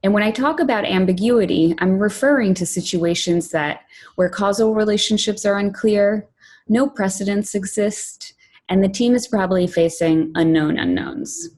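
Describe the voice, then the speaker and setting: Woman giving a measured conference talk. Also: mid-range voice, a little mellow. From Poland, raised in New York City. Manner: clear, measured presenting with lists and emphasis. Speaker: conference speaker, product director.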